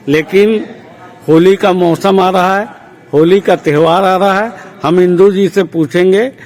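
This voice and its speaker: Male interviewer, polite and formal, slightly higher voice. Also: a little mellow. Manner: polite, respectful introductions.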